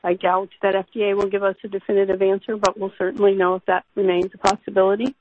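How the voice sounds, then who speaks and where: A woman executive giving measured, careful, formal answers to analysts on an earnings call. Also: mid-range voice, flat delivery. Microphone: conference call line. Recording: dull lo-fi conference call with hiss.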